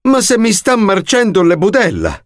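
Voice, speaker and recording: A man's voice: high voice, wildly swooping pitch, moderate pace, no echo, clean studio sound, voice pushed up. A man voicing a bratty, demanding young Cinderella who shrieks her rhymed orders. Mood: indignant. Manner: screeching, bossy rhymed tirade.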